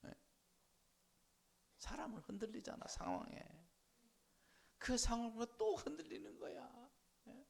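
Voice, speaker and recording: A man with an extremely high-pitched voice speaks at a measured pace, with vocal fry, a breathy edge and long pauses. He's a pastor delivering an animated sermon in church, prodding the congregation for responses and acting out the voices in the story.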